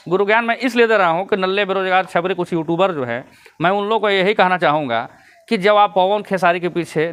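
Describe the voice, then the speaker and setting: High, smooth-voiced commentator. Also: male voice, fairly bright tone. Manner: lecturing, chuckles between points. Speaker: YouTube commentator. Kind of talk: casual commentary vlog.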